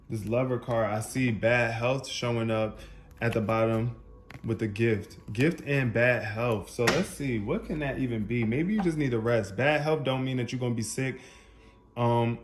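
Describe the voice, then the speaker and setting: A man giving an animated, spontaneous tarot reading, talking straight to his viewers and laughing often. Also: mid-range voice. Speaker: tarot reader.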